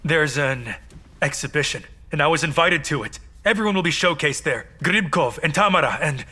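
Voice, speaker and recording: Emotional artist, eager, bright, husky, dubbed film dialogue, faint music. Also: male voice, a little high, animated, moderate pace, exaggerated voice. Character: emotional artist back home.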